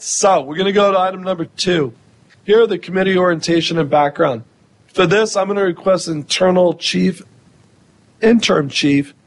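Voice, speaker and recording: A man chairing a public committee meeting, loose and self-deprecating, a bit flustered as he runs the agenda. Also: a little high.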